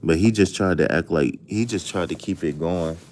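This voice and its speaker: A man's voice: low voice, normal speed, a little mellow, a little hiss or hum. A man streaming a casual chat as a tarot reader, telling stories with jokes and plenty of profane slang. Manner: joking, storytelling, profane slang.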